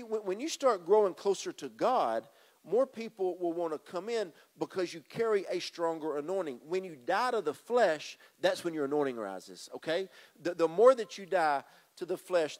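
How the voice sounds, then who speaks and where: A man's voice: fairly high pitch, lively intonation, normal speed, darkish tone. A middle-aged man preaching a sermon on a church stage into a handheld mic, emphatic and repeating phrases as he addresses the congregation. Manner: moves about the stage and gestures. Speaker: pastor. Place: church stage with drum kit.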